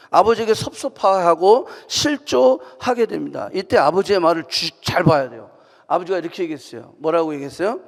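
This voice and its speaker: A woman pastor delivering a sermon in a church. She preaches in an animated way, asking the congregation rhetorical questions and breaking into emphatic outbursts. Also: a little high, creaky. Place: church sanctuary. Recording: long hall reverb from the church.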